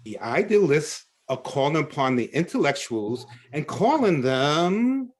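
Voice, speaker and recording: A man's voice: fairly high pitch, very animated, unhurried. A man reading the part of a wry, mocking onlooker in a stage play over a video call. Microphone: video call microphone.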